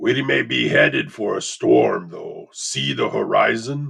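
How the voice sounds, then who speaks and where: In a put-on character voice, a man sounds raspy. His pace stays fairly slow. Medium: read story.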